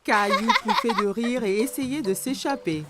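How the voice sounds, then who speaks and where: A woman giving scripted storybook narration for a children's cartoon, expressive and aimed at young listeners. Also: fairly high pitch, normal speed, over loud music.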